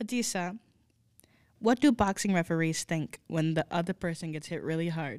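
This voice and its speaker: Using an unremarkable speaking voice, a woman with a fairly low pitch speaks at a moderate pace with lively intonation, the sound dry and close with no echo. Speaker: comedy podcast co-host. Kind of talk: casual chat.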